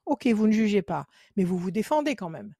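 A woman's voice: mid-range voice, very animated, a little fast, warm tone, dry recording, studio quality. A woman working as a psychic on a call-in show. She gives firm advice again and again and counts cards under her breath. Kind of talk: phone consultation with card reading.

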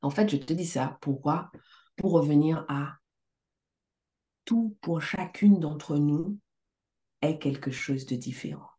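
A middle-aged woman success coach talking in a casual interview, emphatic and animated, swearing now and then. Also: low-pitched, takes it slowly, pauses often. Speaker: success coach, podcast guest.

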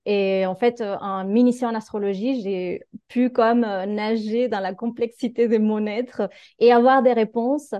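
A woman's voice: a little high, fairly even intonation, a little slow, mellow, dry recording, highs cut off. A woman in her thirties from Argentina, a podcast guest talking about astrology in a reflective, hesitant way with many fillers. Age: 30s. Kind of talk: casual interview chat.

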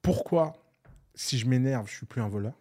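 Animated, swearing male storyteller. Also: medium pitch, moderate pace. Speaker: podcast co-host. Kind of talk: casual podcast chat.

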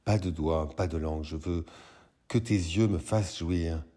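This is a woman in bed with her lover, bold in what she asks for, voiced by a male reader. Her voice stays low, husky and close. She speaks softly and intimately, in a storybook reading. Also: unhurried. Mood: longing. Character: aroused woman lover, shy then bold.

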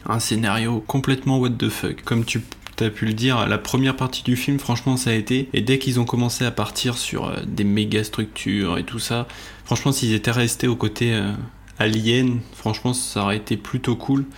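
A man's voice: medium pitch, steady tone, moderate pace. A man co-hosting a film podcast, talking casually with many fillers and blunt opinions. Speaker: podcast co-host. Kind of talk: casual film review chat.

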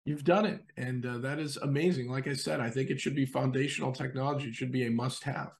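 A man with a gravelly, fry-edged voice at a middle pitch hosts a podcast interview. He is enthusiastic and acts out what users might say. He speaks like a seasoned interviewer. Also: steady tone, fast talker. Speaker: host.

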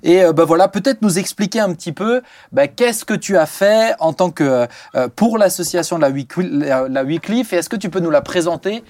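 A man with a fairly high voice hosts a Christian talk show, chatty and encouraging, often dropping into soft asides. The sound is dry and close. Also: expressive, fairly quick, hardly any pauses, no echo. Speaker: host.

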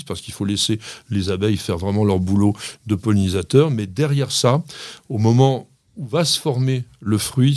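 A man's voice: on the low side, a little mellow, dry recording. A man hosting a gardening radio show, explaining plant care to listeners in an instructive way. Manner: didactic, addressing listeners directly. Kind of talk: radio gardening advice chat.

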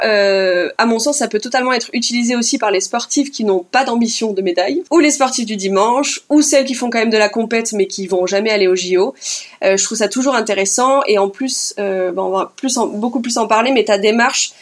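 A woman hosting a podcast interview, speaking thoughtfully and casually in a chatty way with frequent fillers. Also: fairly high pitch. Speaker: podcast host.

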